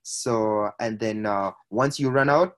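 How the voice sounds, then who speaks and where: A young man speaks as a podcast guest, in a fairly low voice. He tells his story hesitantly, pausing often with filler sounds and restarting his sentences. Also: fairly bright tone. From Ethiopia. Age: 20s. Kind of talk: personal storytelling in conversation.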